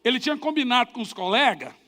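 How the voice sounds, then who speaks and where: Here a middle-aged man, a pastor with a Brazilian Portuguese accent, speaks at a quick pace in a very high voice. His sermon features lively stories punctuated by sound effects.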